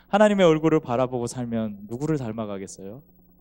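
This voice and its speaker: Lively intonation marks this man's speech. He talks fairly quickly at a medium pitch. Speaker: lecturer at worship school. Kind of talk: lecture. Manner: fast.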